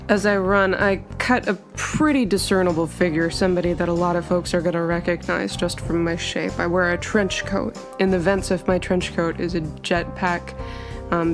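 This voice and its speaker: A woman narrating her character's actions as a player in a tabletop roleplaying game. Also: lowish voice.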